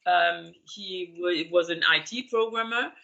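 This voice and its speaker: A woman's voice: fairly low pitch, a little slow, vocal fry, sharp tone, highs cut off. A woman in her sixties from Colombia, explaining things in an interview over a video call and searching for words with many fillers. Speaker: interview guest. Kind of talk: conversational interview.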